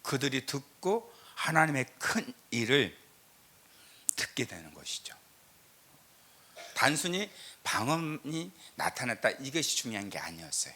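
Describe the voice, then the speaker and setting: A middle-aged Korean pastor from the south with a slight southern regional lilt, preaching a teaching sermon with scripture readings and rhetorical questions. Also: male voice, mid-range voice, very animated, unhurried, long pauses, sharp tone. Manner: emphatic, rhetorical questions, frequent "eo" fillers. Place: church sanctuary.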